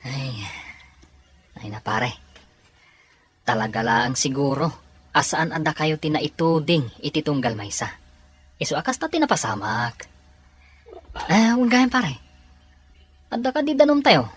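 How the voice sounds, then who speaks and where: A woman voicing an easygoing, teasing young man in an Ilocano Filipino audio drama, with a husky voice. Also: deep voice, very animated, a little slow, long pauses. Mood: concerned, casual.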